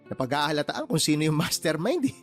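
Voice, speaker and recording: Joking sidekick, higher voice, teasing, boastful, radio drama, music underneath. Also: male voice, sing-song, fast. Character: joking loyal younger male buddy, playful.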